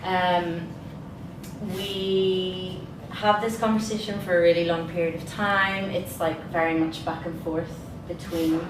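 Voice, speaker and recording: A woman hosting an informal exhibition tour, talking in a relaxed, conversational, slightly hesitant way. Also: on the low side, a little slow. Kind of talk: informal public talk. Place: indoor gallery space. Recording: echoey room, distant mic, noisy.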